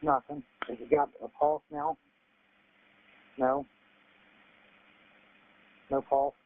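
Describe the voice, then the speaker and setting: Distressed gravelly male caller on phone. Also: medium pitch, big pitch swings, takes it slowly. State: distressed, panicked. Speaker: emergency caller. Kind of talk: urgent phone call. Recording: tinny emergency phone line.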